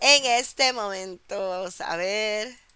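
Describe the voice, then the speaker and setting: A woman with an animated tone. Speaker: gaming youtuber. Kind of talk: gameplay commentary.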